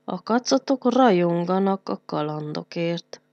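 A woman voicing an old, wise kufli uncle in a storybook, speaking calmly and knowingly. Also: on the low side, dry recording, muffled recording.

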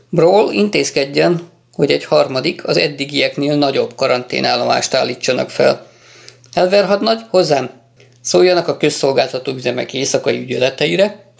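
Decisive official, firm and brisk, gravelly edge, read by a man. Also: mid-range voice. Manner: issues brisk orders. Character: male commanding official, stern and decisive. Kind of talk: audiobook reading.

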